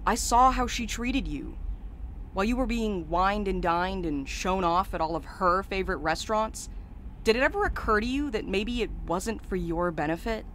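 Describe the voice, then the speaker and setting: A woman's voice: medium pitch, lively intonation, normal speed, a bit bright, a little hiss or hum, lightly acted, rough recording. An actress playing a blunt, sardonic, jaded woman courier in a naturalistic audio drama. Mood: heated, critical. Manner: sardonic, hard-edged and blunt.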